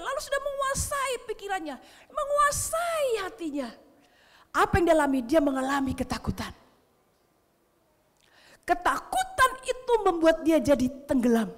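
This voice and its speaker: A woman with an Indonesian accent preaching a sermon, who retells a story with dramatic cries and then drops to a soft, hushed voice. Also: very high-pitched. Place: church sanctuary. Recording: long church hall reverb.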